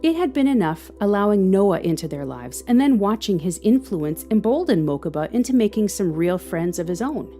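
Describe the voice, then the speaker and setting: A woman narrates a story with a lively, expressive melody. Her voice is soft-edged and mellow at an average pitch, with faint music underneath.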